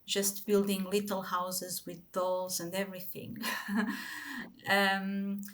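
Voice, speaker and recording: A woman's voice: mid-range voice, flat delivery, slow, a bit bright. A Portuguese woman speaking English with a Portuguese accent as an interview guest, telling her life story with many ums and restarts.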